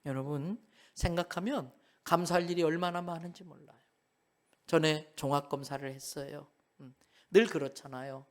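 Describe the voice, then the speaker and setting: A man's voice: on the high side, normal speed. A middle-aged male pastor giving a sermon, building to emphatic declarations. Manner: animated preaching, rising to emphatic declarations. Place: church sanctuary.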